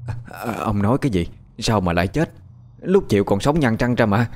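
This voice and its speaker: A man voicing a sharp-tongued middle-aged first wife, quick and scolding. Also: fairly low pitch, natural voice. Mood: shrill panic.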